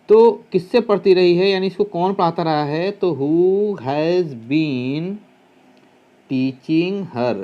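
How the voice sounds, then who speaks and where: A man teaching English translation to students, slowly dictating English phrases and spelling words out letter by letter, sometimes correcting himself as he thinks aloud. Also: a little high, a little mellow, highs cut off. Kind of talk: translation lesson explaining Hindi sentences.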